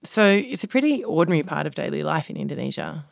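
Woman, reporter, narrated storytelling, gravelly, dry close mic. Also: sits low, quick pace, dry recording. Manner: calm first-person storytelling. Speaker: reporter and co-host. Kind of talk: narrated documentary podcast.

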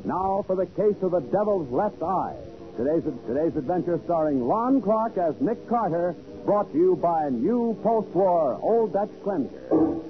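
Animated 1940s radio announcer, a man. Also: sits high, unhurried, soft background music. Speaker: announcer and narrator. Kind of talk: 1940s radio scripted narration. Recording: dull 1940s radio broadcast recording.

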